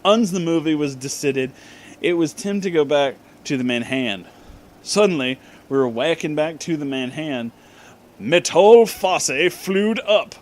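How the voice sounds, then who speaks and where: Slow-reading man with a fairly high voice. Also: animated. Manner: deliberate enunciation of misspelled words. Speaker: reader and commentator of bad fan fiction. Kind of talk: comic dramatic reading with casual asides.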